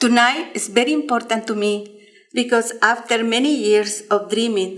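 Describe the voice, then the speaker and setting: Fairly high in pitch with ordinary pitch variation, a woman talks in a plain, everyday voice at a fairly slow pace. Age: 60s. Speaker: graduate. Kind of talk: ceremony speech. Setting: virtual ceremony.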